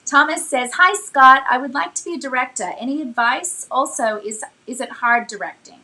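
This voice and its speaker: A woman's voice: high-pitched, moderate pace, bright, forceful tone, low-quality recording. A woman chatting casually and reminiscing as a co-host of an interview show. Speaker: co-host, former cast member.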